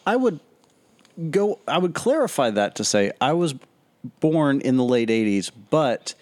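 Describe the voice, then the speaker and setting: A man in his early thirties co-hosting a podcast, talking in a measured, thoughtful, dry way. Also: mid-range voice, very animated, darkish tone. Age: 30s. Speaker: podcast co-host. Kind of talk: casual chat.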